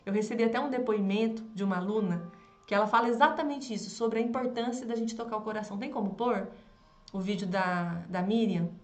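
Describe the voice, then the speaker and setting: A woman's voice: medium pitch, fairly even intonation, brisk, echoey room. A Brazilian woman, a parenting teacher, gives a live class to Christian mothers and acts out little scenes between mother and child. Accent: Brazilian Portuguese.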